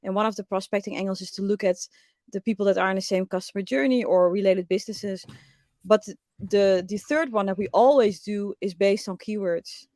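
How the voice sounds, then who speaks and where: Raspy-voiced woman, gravelly and dry. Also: mid-range voice, a little fast, a little mellow, dry recording. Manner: enthusiastic, frank, with fillers. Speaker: podcast guest. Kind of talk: casual interview chat.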